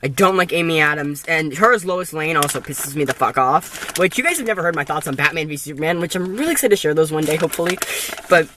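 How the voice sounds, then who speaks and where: Young dude reviewing a movie, swears a lot, bouncy high voice. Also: male voice, quick pace, noisy background. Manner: blunt, profane, animated. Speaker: co-host film reviewer. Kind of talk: casual film review chat.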